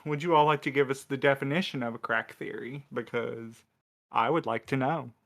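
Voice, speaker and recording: A man in a casual podcast Q&A, answering in a measured, dryly humorous, slightly mock-formal way. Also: medium pitch, fairly bright tone. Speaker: podcast crew member answering questions.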